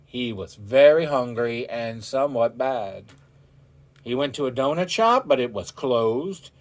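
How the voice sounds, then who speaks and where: A man's voice: medium pitch, animated, unhurried. A man reading a children's story aloud in a theatrical way, drawing out words for emphasis and speaking directly to his listeners. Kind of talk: animated children's story narration.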